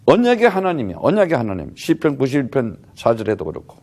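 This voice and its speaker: A man's voice: mid-range voice, huge pitch swings, quick pace, a little mellow. A man preaching a sermon as a missionary, talking plainly to the congregation and often asking rhetorical questions. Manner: emphatic, rhetorical questions, frequent "huh?" tags; conversational, plain speech to the congregation.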